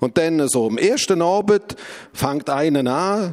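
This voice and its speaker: A man's voice swings very widely in pitch, captured with a dry, close sound and no echo. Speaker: former addict giving testimony. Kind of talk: testimony. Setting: stage with audience.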